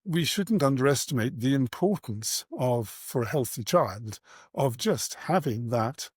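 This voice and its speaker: A middle-aged man giving reflective interview answers in an earnest, articulate, measured way, pausing as he goes. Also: medium pitch, animated, breathy edge, dry recording, studio quality. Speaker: interview guest, charity founder and cricket coach.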